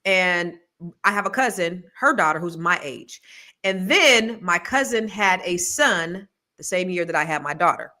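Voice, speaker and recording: A woman hosting a casual talk show, chatty and animated, telling stories with quick restarts. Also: on the low side. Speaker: podcast host. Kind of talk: casual chat.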